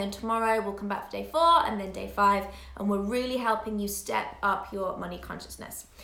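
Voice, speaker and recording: Audible room echo surrounds a woman whose fairly high pitch shows ordinary pitch variation. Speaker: money mindset coach. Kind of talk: live stream teaching. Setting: live video stream. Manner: animated.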